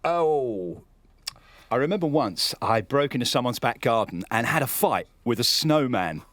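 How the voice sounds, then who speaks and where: A man's voice: mid-range voice, animated, unhurried, a bit bright, dry recording, clean studio sound. A man doing a boozy ex-addict bloke. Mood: rueful. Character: rough boozy male ex-addict.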